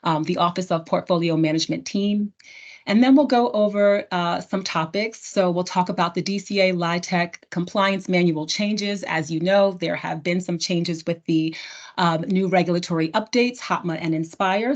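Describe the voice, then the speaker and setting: A woman training and hosting a virtual town hall, chatting casually with many fillers and restarts. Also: lowish voice. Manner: chatty, filler-heavy, self-correcting. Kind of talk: casual presentation to partners. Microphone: video call. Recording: dull lo-fi video call audio.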